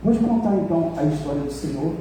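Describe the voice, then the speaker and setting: A man with a Brazilian accent voicing a caring ship's doctor who asks gentle questions. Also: on the high side, animated, quick pace, a little hiss or hum, natural voice. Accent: Brazilian Portuguese. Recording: echoey hall, voice from far off.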